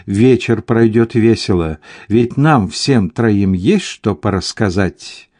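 Proud young mistress of a castle, quick and unbending, low mellow delivery from a male reader, storybook. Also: expressive, no echo, studio quality. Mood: commanding. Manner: quick, firm and commanding.

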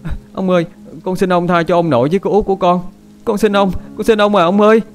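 A man voicing a frightened young village boy in an audio story, with high, crying pleas. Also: fairly even intonation, fast talker, soft background music. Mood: pleading, sobbing.

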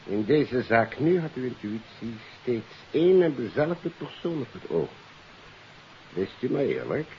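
An actor playing a courteous, earnest German police inspector in a 1950s radio detective play, questioning formally and deliberately. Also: male voice, medium pitch, big pitch swings. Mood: earnest, probing. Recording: hissy, dull 1950s radio recording.

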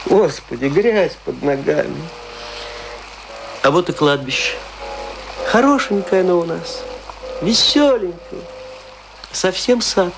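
An actor in a radio play monologue, playing a tipsy, self-pitying provincial actor who declaims and muses aloud. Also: male voice, medium pitch, poor audio. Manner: declamatory, musing aloud, swinging between grand and intimate.

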